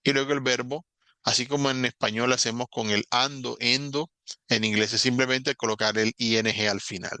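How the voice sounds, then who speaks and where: In a recorded English grammar lesson, a man explains patiently, repeats example words and checks in with his students. His mid-range voice is pushed and bright, with fairly even intonation at a moderate pace, and there's no room sound.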